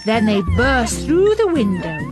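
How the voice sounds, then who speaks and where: Slow, very expressive woman storyteller. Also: high-pitched, music in the background. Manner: expressive, dramatic. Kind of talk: scripted children's story narration.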